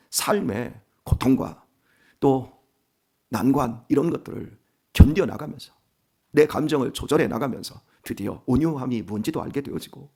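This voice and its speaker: A man's voice: mid-range voice, husky. A man in his fifties giving an early-morning church sermon as pastor, talking conversationally and animatedly. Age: 50s. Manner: conversational and animated, acting out family quarrels. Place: church sanctuary.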